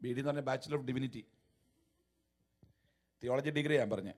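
A man delivers a sermon at an unhurried pace, telling humorous stories. He alternates between emphatic, shouted lines and quiet, wry, mocking asides.

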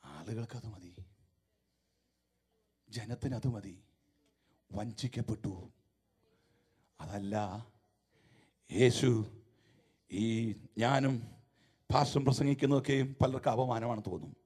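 A man preaching a sermon, swinging between emphatic shouted lines and low, wry, mocking asides as he tells humorous stories. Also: takes it slowly, pauses often, breathy edge.

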